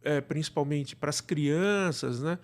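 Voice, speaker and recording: A middle-aged Brazilian man talks as a guest in a casual interview. His voice sits a little high for a man. He explains things discursively, often checking in with short tag questions. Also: takes it slowly. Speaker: interview guest, actor and podcast producer. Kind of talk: casual conversational storytelling.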